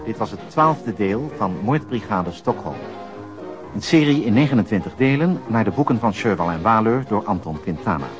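Faint music plays behind a male radio announcer with a fairly low voice. He reads scripted programme credits in a formal broadcast style. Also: animated, normal speed.

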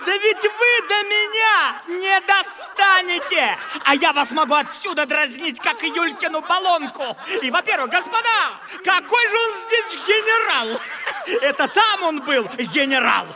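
An actor playing a young, shameless baron who jeers and cackles at the others in a radio play. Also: male voice, very high voice, expressive, unhurried, noisy background. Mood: jeering. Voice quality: cackling, jeering. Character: young male dissolute baron, mocking and shameless.

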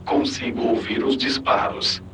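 A man's voice: measured pace, a bit bright, natural voice. An actor playing an alarmed man hunted under fire in an audio drama. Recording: roomy, distant, noisy transmission.

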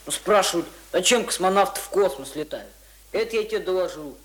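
An actor in a radio play playing a plain-spoken, cocky young village student explaining things simply. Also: male voice, high-pitched, animated, brisk, fairly bright tone. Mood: earnest, confident. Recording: roomy, echoing radio drama recording.

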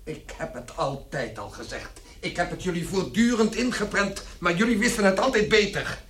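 A man's voice: high-pitched, expressive, normal speed, a bit bright, a little hiss or hum. An actor playing a stern, blustering old father who accuses and grumbles, in a radio play. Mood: accusing. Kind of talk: Dutch radio play acting.

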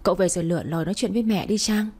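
A woman voicing a young woman who gently tries to persuade her friend, in a storybook reading. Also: mid-range voice, rapid-fire, breathy edge. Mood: persuading.

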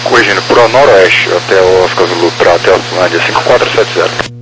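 A man's voice: deep voice, brisk, fairly bright tone, low-quality recording. A man with a Brazilian accent working as an air traffic controller, giving clipped procedural instructions over aviation radio, reading digits one by one.

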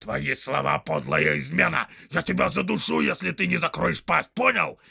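Guy doing a big brutish orc soldier, yelling threats, raspy edge. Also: medium pitch, fairly even intonation, measured pace, no echo, clean studio sound, heavily acted. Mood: menacing. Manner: loud, menacing, shouting threats. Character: huge brutal male orc warrior, threatening.

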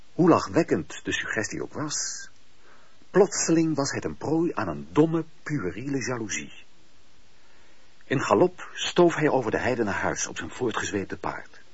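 A man's voice: medium pitch, breathy edge. A man narrating a radio drama in a dramatic, literary storytelling style. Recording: dry, dull lo-fi radio recording.

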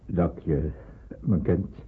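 An actor playing a grave, gruffly affectionate middle-aged Jewish father in a radio drama, with a weighty, deliberate delivery. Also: deep voice, slight background noise. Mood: grave, tender. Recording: muffled, phone-like old radio play recording.

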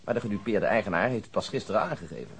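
A man's voice: lowish voice, expressive, racing, slight background noise. A man playing a businesslike police detective in a radio play, briefing in an orderly, factual way and keeping to the point. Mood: matter-of-fact. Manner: matter-of-fact, orderly briefing.

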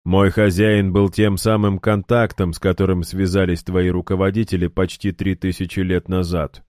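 A man voicing a created guardian who answers in a cold, flat, terse way. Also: deep voice, normal speed, no room sound, clean studio sound, close to an everyday voice. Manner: cold, flat, sparing with words.

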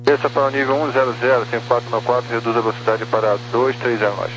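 A Brazilian male approach controller speaks in terse phraseology. His medium-pitched voice comes over aviation radio with a hum and faint noise. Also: level tone, fast. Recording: humming, faintly noisy radio.

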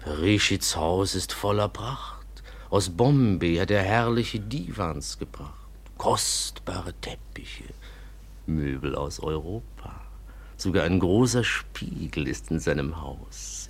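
A man's voice: deep voice, lively intonation, breathy edge, heavily acted. A man playing a dignified, devout, wealthy older Arab merchant in a radio drama, speaking ceremoniously and persuasively. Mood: courtly, persuasive. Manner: ceremonious, measured, flowery formal speech. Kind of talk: literary radio drama acting.

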